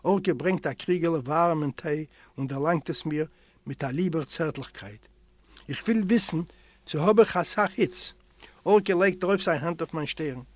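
A man, a native Yiddish speaker, reading a literary memoir aloud and giving the characters their own voices. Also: unhurried. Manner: expressive, voices characters with raised pitch. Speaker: audiobook reader. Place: library recording room.

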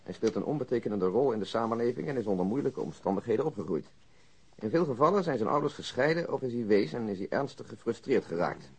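An actor playing a methodical male police detective in a radio drama, matter-of-fact and measured, as if reciting a report. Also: medium pitch, animated, darkish tone, breathy edge, rough recording. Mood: dry, factual. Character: methodical, dry police detective with an exact memory.

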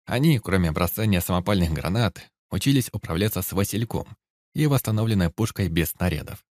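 A man reading a first-person story aloud in a steady, grave narrating manner. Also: low voice, no echo, studio quality. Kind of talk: audiobook narration.

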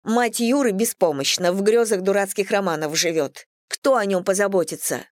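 A woman reading an audiobook voices a resentful female caretaker who hurls slow, hissing, heavy reproaches in a raised voice. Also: medium pitch, no room sound, studio quality, close to an everyday voice. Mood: bitter accusing.

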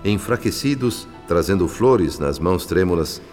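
A Brazilian man playing a humble, reverent narrator in a radio drama, speaking in a measured, literary and solemn way. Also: sits low, expressive, a little mellow. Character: reverent, moved male spirit narrator, humble disciple. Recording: long hall reverb, music behind. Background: music.

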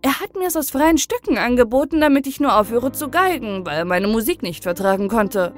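A woman's voice: fairly high pitch, animated, a little fast, faint music behind, natural voice. A woman doing a jaunty young servant lad. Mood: earnest. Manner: jaunty, teasing. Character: cheerful, mischievous young male servant. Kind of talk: audiobook fairy tale.

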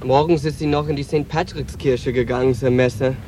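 An actor playing a streetwise, quick-tempered trans street hustler, sharp and emotional, in a radio drama. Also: male voice, medium pitch, fairly even intonation, natural voice. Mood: guarded, reflective. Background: music, traffic and street sounds.

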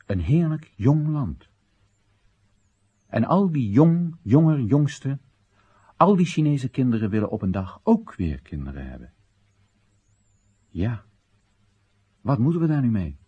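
A man's voice: mid-range voice, very animated, unhurried, pauses often, husky, phone-quality sound, full character voice. An actor playing a wry Chinese everyman who narrates and questions his country's policies in a radio drama monologue, ironic, rhetorical and theatrical. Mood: ironic, indignant.

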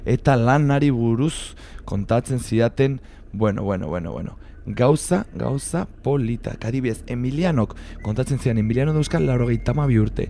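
A man's voice: medium pitch, lively intonation, normal speed, close to an everyday voice. A man playing a chatty, encouraging taxi driver in radio theatre, rambling and repeating his words. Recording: loud vehicle noise behind the voice.

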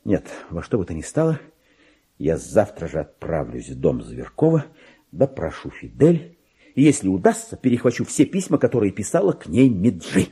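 An actor playing an excitable, self-important, paranoid petty clerk in a theatrical radio monologue, with a husky voice and volatile delivery that swings between confiding and outbursts. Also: male voice, deep voice, normal speed, heavily acted. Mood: determined. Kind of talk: dramatic monologue reading in a radio play.

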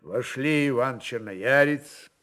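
A man's voice: medium pitch, takes it slowly, fairly bright tone. A man reading literary prose as a dramatic narrator.

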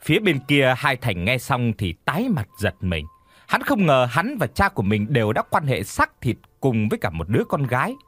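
A man narrating a dramatic audio story in a scripted, expressive storytelling voice. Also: medium pitch, normal speed, no echo, soft background music.

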